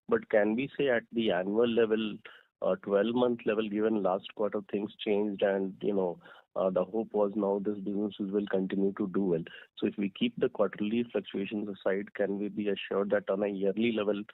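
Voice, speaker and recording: A man's voice: fairly low pitch, no room sound. A man, an analyst caller putting questions on an earnings call. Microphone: phone line. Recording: tinny, narrow phone line.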